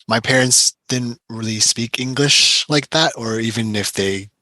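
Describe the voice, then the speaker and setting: A man in a casual podcast chat, talking in a relaxed, rambling way with frequent fillers. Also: mid-range voice, a little slow, no echo. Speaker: podcast co-host.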